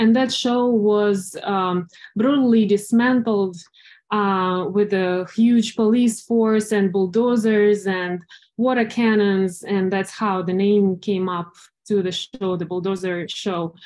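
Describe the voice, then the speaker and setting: This woman speaks at a very slow pace with a medium pitch. Her intonation stays fairly even throughout. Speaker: art historian. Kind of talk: panel discussion, academic overview. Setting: video call. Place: home room. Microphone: video call.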